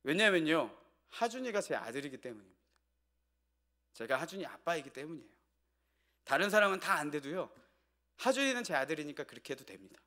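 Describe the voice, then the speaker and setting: Preaching his evening sermon, this pastor relates a family story conversationally, now and then firing rhetorical questions at the congregation. His voice runs a bit high for a man, with big pitch swings, a brisk pace, a sharp tone and long pauses.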